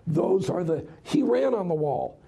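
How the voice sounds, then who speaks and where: An American man, hoarse and raspy from a cold, giving political commentary as a radio host guest in an interview. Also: sits high, expressive, unhurried, warm tone. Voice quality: husky, raspy, strained.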